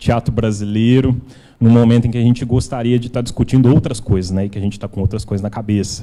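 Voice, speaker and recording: The speaker is a man with a medium-pitched voice. His tone is dark and mellow. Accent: São Paulo interior. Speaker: author, theatre researcher. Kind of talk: book launch talk. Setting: bookshop event with audience. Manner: hesitant, with fillers.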